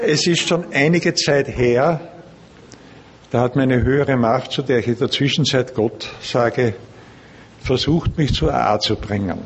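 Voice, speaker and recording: A middle-aged or older man with an Austrian accent gives a personal testimony to a group in measured, careful standard German. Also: mid-range voice. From Linz, Austria. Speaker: speaker at a recovery meeting. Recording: background noise, room ambience.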